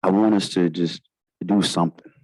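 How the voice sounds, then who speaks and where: Panelist, male, low voice, Southern African American accent, emphatic and repetitive, close dry sound. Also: fairly even intonation, normal speed, a little mellow, dry recording, poor audio. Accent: African American English, Southern US. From United States. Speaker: lawyer, panelist. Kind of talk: informal panel remarks to an audience.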